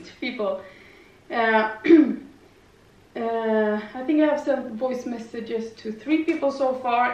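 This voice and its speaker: A woman's voice: mid-range voice, vocal fry. A young woman with a foreign accent chatting casually in a rambling way, full of fillers and tag questions, while doing yoga in her living room. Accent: non-native English, lives in Sweden. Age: young adult. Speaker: vlogger. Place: living room with slanted ceiling, indoors. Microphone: far camera. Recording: roomy, distant, dull camera audio.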